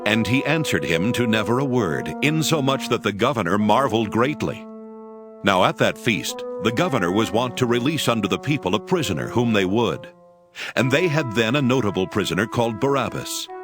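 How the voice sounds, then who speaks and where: A man's voice: fairly low pitch, lively intonation, moderate pace, music in the background. A man narrating scripture as a dramatized reading.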